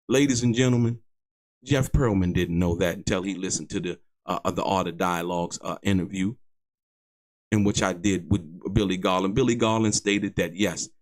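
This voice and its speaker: A man hosting an online show, giving emphatic, indignant commentary in a halting, repetitive way, often repeating words as he argues his point. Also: lowish voice. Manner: indignant, disputing. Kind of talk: opinionated commentary to viewers.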